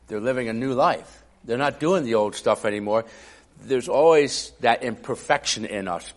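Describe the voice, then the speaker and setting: A man preaching a sermon in a conversational way, with a raspy, hoarse voice from a cough and chuckling asides. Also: medium pitch, a bit bright.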